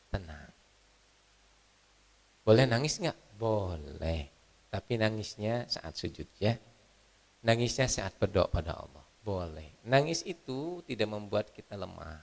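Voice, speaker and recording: A man preaching an online Ramadan sermon, moving between loud fervent exhortation and soft, intimate talk. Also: on the low side, creaky, long reverb tail. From Indonesia.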